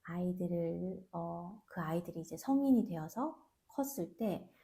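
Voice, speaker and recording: Woman, language-teacher podcast host, low-ish mellow voice, gentle explainer. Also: lively intonation, a little slow. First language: Korean. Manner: soft, thoughtful, asks listeners questions.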